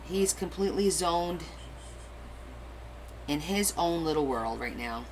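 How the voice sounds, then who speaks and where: Middle-aged woman host, native Portuguese speaker, slightly low pitch, rambling live-stream chat, faint hum behind. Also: animated, slow, poor audio. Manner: chatty and rambling, answers viewer comments. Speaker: crafting livestream host.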